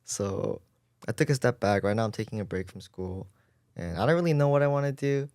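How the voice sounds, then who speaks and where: A twenty-year-old man talks casually as a podcast guest, his low voice wandering through long rambling sentences full of "like". The sound is close and dry, with no room around it. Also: brisk, darkish tone, clear, resonant tone, no echo. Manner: rambling, lots of "like". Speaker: guest volunteer.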